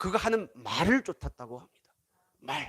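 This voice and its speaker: A man speaks in an animated tone with a high pitch and very wide pitch swings. The sound is dry and close, with no echo. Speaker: pastor. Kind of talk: sermon. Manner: fast.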